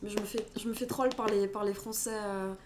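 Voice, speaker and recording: A woman's voice: mid-range voice, steady tone, fairly quick, background noise. A young adult woman with a French accent, a streamer chatting casually, reading out and answering chat while switching languages.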